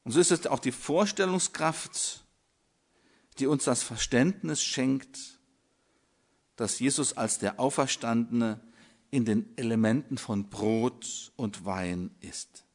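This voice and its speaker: Slow, measured older male preacher. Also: mid-range voice. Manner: slow, measured, with dramatic pauses. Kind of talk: sermon.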